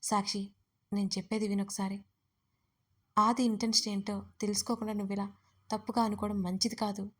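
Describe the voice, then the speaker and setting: A woman voicing a calm, soothing young man. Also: mid-range voice, brisk, long pauses, lightly acted. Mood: pleading. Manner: soothing, persuasive. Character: young man, calm fiancé who patiently reasons.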